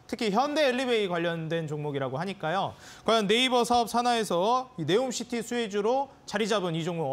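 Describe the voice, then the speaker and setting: A man hosting a finance TV show, announcing an upcoming broadcast in a polished, promotional tone. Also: sits high. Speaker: host. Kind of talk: broadcast show host wrap-up.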